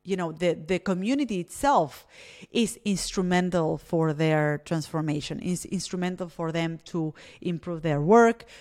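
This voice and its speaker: A woman in her thirties from Argentina talks through her solo podcast episode. Her voice sits a little low. She speaks in a reflective, unhurried way, often pausing on fillers and restarting her phrases. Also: darkish tone. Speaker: podcast host.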